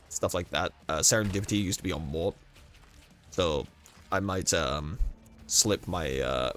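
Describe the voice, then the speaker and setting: With a cold clogging his voice and wearing it down, this gaming guide creator chats casually through a build and run, wandering off and correcting himself a lot. His pitch is low and his tone fairly bright.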